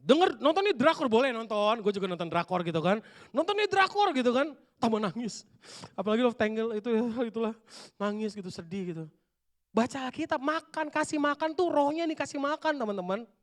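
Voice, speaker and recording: A man preaching a lively youth sermon in casual slang, swinging between hushed asides and shouted bursts. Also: extremely high pitch, a little fast. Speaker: youth pastor. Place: church hall.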